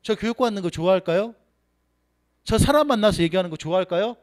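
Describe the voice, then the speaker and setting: A man's voice: high-pitched, fast. A man giving a motivational seminar talk. He acts out quoted voices and keeps asking the audience rhetorical questions. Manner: animated, asks the audience many rhetorical questions. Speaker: sales seminar speaker.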